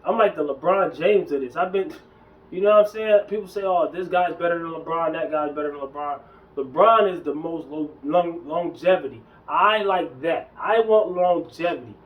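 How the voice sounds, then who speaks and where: A man in his early forties rants in a fairly high voice, slangy and preachy, often circling back to hammer the same point. He sounds set back from the mic, a little distant in the recording. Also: normal speed, narrow, tinny audio. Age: 40s. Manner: emphatic, preachy, slangy, repeats himself. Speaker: fitness vlogger. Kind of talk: casual ranting monologue.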